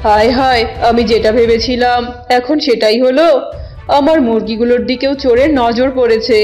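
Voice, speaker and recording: Woman as an indignant high-voiced tigress. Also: steady tone, normal speed, a little mellow, faint music behind, lightly acted. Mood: dismayed. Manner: scolding, dramatic. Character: indignant tigress guarding her chickens. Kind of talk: cartoon character voice.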